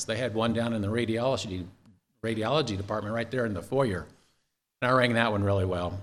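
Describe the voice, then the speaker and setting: A man's medium-pitched voice at a fairly quick pace, in a very clean recording with a silent background. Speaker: church member sharing testimony. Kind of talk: testimony. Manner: reading from notes; halting.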